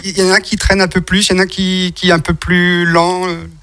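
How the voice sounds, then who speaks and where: A man's voice: high-pitched, level tone, fairly quick, bright, forceful tone, a little hiss or hum. A man from France hosting a local radio interview in a chatty, wordy way, rambling and repeating words as he goes. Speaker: radio host.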